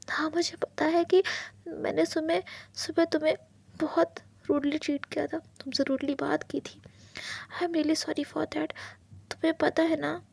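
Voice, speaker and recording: A woman voicing a gentle, apologetic young husband in whispered role-play, soft and coaxing. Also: high-pitched, gravelly.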